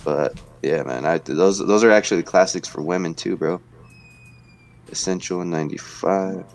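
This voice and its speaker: A young man in his twenties chats loosely on a home livestream, dropping slang and reading viewer messages aloud. His voice sits very low. He sounds relaxed and talkative in front of a webcam. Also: normal speed. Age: 20s. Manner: laid-back slangy banter, reads chat aloud. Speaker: livestream host. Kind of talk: casual livestream chat. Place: indoor home room, webcam stream.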